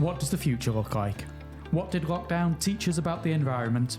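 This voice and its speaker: A man at a moderate pace with very wide pitch swings, music in the background. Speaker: podcast host. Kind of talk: podcast hosting.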